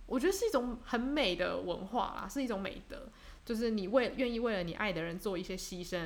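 A young woman from Taiwan co-hosting a podcast, chatting casually and reflectively, with fillers and restarts. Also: medium pitch. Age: young adult. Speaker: podcast co-host. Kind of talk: casual chat.

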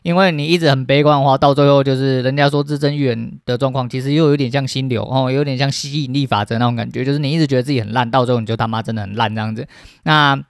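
A man's voice: mid-range voice, fairly even intonation, rapid-fire, dry recording. A man in his thirties with a Taiwanese Mandarin accent, hosting a solo podcast in a blunt, heavily profane way, his throat dry and scratchy. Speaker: podcast host. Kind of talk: casual solo podcast rant.

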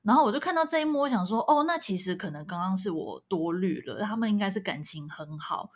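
A woman co-hosting a casual chat podcast, telling a story with lively delivery and acted-out quotes. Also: medium pitch, quick pace. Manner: animated, acts out quoted voices. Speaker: podcast co-host.

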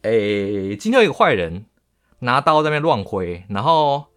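Male Taiwanese podcast host, animated storyteller, crude slang, lively pitch swings. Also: normal speed. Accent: Taiwanese Mandarin. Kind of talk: storytelling monologue.

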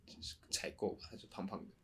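A man's voice: quick pace, fairly bright tone. A man co-hosting a podcast in casual, friendly chat. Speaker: podcast co-host.

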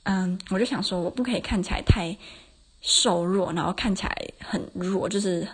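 A woman's voice: on the low side, moderate pace, husky. A woman, hosting a casual solo podcast and telling self-mocking stories with plenty of laughs. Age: 20s. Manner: chatty, self-mocking anecdotes with frequent laughs. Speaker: podcast host.

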